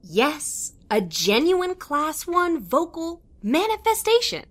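A woman's voice: high-pitched, huge pitch swings, slow, full character voice. A woman playing an eager, earnest young woman who believes in ghosts and plays along politely. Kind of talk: audio drama acting.

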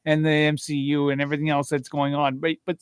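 A man hosting a podcast, his voice a little higher than most, upbeat and halting with fillers. The recording is dry, with no room sound. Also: monotone, clean tone, no room sound. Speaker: podcast host. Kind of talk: casual podcast wrap-up.

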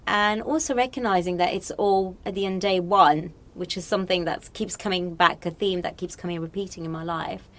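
A woman from Morocco speaks as a guest in an interview. Her voice sits a little low. She talks in a casual, reflective, conversational way. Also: steady tone, brisk, hardly any pauses, a little hiss or hum.

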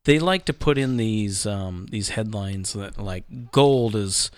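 A man's voice: on the low side, animated, takes it slowly, smooth, no echo. A man co-hosting a show with casual, sardonic, colloquial commentary. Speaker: show co-host.

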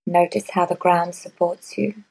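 Slow, soft-spoken woman guiding meditation. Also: on the low side, little pitch movement, gravelly, breathy edge, low-quality recording. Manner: soft, slow, measured with long pauses. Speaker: meditation guide. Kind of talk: guided meditation.

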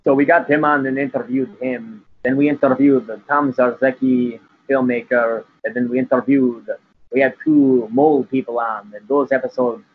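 A man playing a laid-back, crude vampire cat count in an improvised comedy interview, rambling in deadpan slang. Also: mid-range voice, moderate pace, breathy edge, lightly acted. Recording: tinny phone-like line with noise.

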